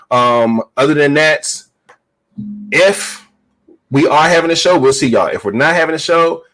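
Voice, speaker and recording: A man's voice: fairly high pitch, a bit bright, rough recording. A man in his thirties hosting a podcast, talking in a loose, slangy way and laughing often. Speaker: podcast host. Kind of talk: casual podcast chat.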